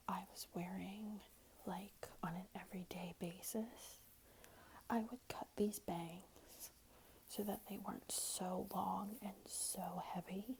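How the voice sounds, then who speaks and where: A woman whispers softly through an ASMR tutorial at a slow, gentle pace. Her voice is all breath, with no voicing. There is clear background noise with small clicks around her. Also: medium pitch. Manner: gentle, unhurried explaining. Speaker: ASMR creator giving a wig styling tutorial. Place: small room at home, indoors.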